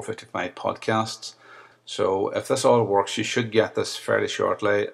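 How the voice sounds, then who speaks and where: A man with a Northern Irish accent and a deep, rough voice, leaving a hesitant recorded message for a podcast host with many fillers. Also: a bit bright. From Northern Ireland. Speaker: listener sending in a voice message.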